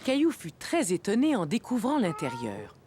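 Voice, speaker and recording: Woman telling a kids' cartoon story, pretty animated, loud kids' music under it. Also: medium pitch, normal speed. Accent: French. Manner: clear, storytelling. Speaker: narrator. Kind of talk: scripted storybook narration. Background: children's music.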